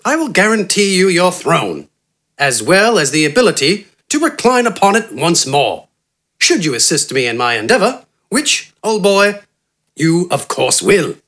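A narrator voicing an eccentric, pompous male doctor who is manic and jovial and speaks in a grand, excitable way. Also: medium pitch, moderate pace, pitched above the performer's own voice. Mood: scheming. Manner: pompous, excitable, keeps saying "old boy".

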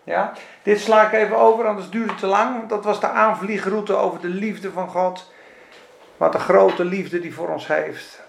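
High, gravelly male preacher in echoey room. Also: normal speed, slight background noise. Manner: lively, colloquial preaching. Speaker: pastor. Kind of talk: sermon.

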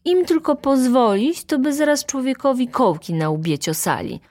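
A woman's voice: high-pitched, lively intonation, normal speed, darkish tone, dry recording, studio quality, pitched above the performer's own voice. Woman doing a bossy stuck-up male servant, snooty and commanding, audiobook style. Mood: haughty. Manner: haughty, commanding. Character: insolent pompous male valet, bossy.

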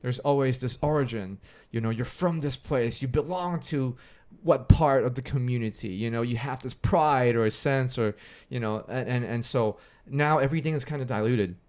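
A chatty young man from Hong Kong talks as a podcast guest. His pitch sits in a middle range, and he often speeds up as he explains his views and greets his viewers. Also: moderate pace, few pauses, darkish tone. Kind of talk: casual podcast conversation.

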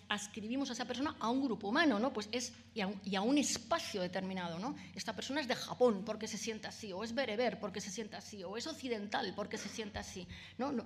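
A woman with a Spanish accent from Spain delivers an academic lecture in a somewhat high voice. She builds her points patiently, often tagging sentences with little questions to the audience and pausing on fillers. She speaks to a room of listeners. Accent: Peninsular Spanish. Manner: explanatory, frequent tag questions and fillers. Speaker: author giving a lecture.

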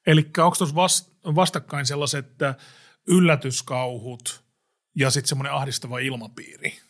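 A man leading a casual podcast conversation. He poses questions to his co-hosts, pausing often on filler sounds as he gathers his thoughts. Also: medium pitch, steady tone, a bit bright. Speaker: podcast host asking questions. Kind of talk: casual chat.

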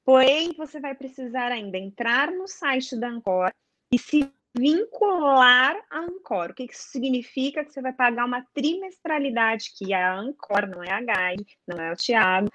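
A woman's voice: fairly high pitch, expressive, normal speed, a bit bright. A woman explaining a process step by step in casual chat, often checking in with "tá?" and posing questions to herself. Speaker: guest explaining investment advisor certification.

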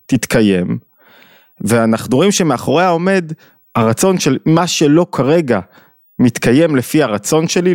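Speaking in a darkish, medium-pitched voice on a dry, studio-quality recording, a man delivers a reflective lesson on Jewish thought. Along the way he questions his listeners and performs the voices of the people in his examples.

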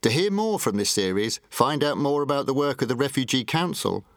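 A man's voice: medium pitch, animated, fairly quick, dry recording, studio quality. A man reading scripted narration as an announcer for an audio series.

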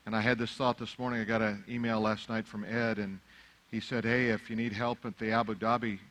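A man's voice: fairly low pitch, flat delivery, a little fast, a bit bright, low-quality recording. A middle-aged man whose first language is Arabic, preaching a sermon that moves from easy conversational remarks to fervent, rising exhortation. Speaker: pastor.

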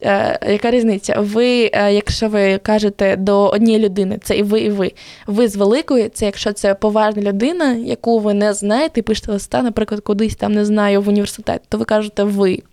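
A woman's voice: mid-range voice, a little fast, dry recording. A teenage girl from Ukraine, a podcast guest chatting casually and telling stories with lots of fillers. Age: teens. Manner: chatty, lively storytelling with many fillers.

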